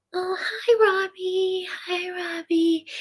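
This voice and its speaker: In a put-on character voice, a female-sounding speaker is soft-spoken and breathy, with an extremely high pitch and monotone, flat intonation. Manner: flirty, sweet.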